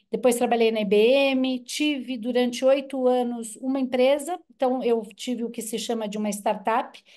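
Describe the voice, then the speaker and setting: A high-pitched woman's voice with a dark, mellow tone, fairly even intonation, a moderate pace and hardly any pauses. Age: 60s. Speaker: engineer and business consultant. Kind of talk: webinar talk. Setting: online webinar.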